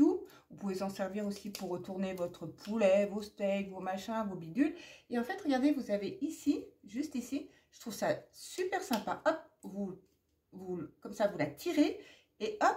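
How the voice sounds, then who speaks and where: A woman's voice: mid-range voice, lively intonation, moderate pace, a little mellow, slight background noise. A middle-aged woman from France chatting casually and rambling through a shopping haul, with many fillers and asides, and a persistent cough. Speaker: haul vlogger. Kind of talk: casual haul chat to camera.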